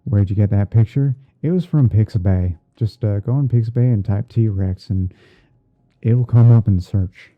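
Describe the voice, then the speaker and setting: Guy doing a mellow tv painting teacher asmr stream, low murmury voice, kinda halting, tinny lo-fi sound. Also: lightly acted. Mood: gentle, easygoing. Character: gentle male TV painting instructor, soft-spoken and easygoing. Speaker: livestream host. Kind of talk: ASMR roleplay livestream while editing images.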